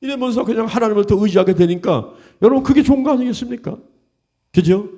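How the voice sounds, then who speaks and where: Middle-aged male pastor, folksy animated preacher, slightly high, mellow tone. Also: quick pace, breathy edge. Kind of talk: sermon.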